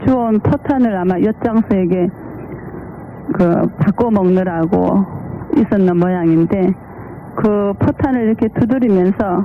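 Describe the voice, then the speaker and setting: Against noticeable background noise, a woman talks very slowly at a medium pitch with ordinary variation. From South Korea, Waegwan, North Gyeongsang. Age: 40s. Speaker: middle school teacher. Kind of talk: interview testimony.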